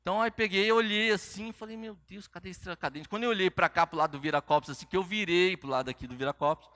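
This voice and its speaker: A middle-aged Brazilian man preaching, telling a personal story with lively quoted dialogue. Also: sits high, quick pace, dry recording. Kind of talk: sermon testimony.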